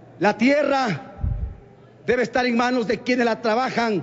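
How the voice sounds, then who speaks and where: A man's voice with ordinary pitch variation. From Ecuador, Bolívar province. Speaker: legislator. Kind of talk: parliamentary speech. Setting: legislative chamber. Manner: formal. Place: hall. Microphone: podium.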